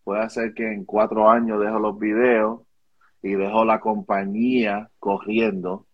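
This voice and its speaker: A man's voice: on the low side, little pitch movement, measured pace, muffled recording. A man with a Caribbean Spanish accent answering casually as an interview guest, repeating words and mixing English phrases into his Spanish. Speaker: interview guest, music video director.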